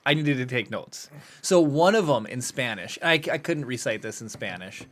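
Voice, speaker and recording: A man co-hosting a podcast in casual, animated chat, laughing often as he talks. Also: medium pitch, moderate pace. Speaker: podcast co-host. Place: home studio podcast set.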